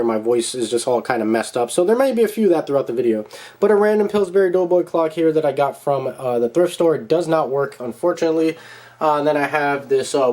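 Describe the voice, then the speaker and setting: Chatty man a bit nasal from a cold. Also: a little high. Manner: chatty and relaxed, with frequent fillers. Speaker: collector showing his toy room. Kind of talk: casual room-tour vlog. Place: indoor toy room at home.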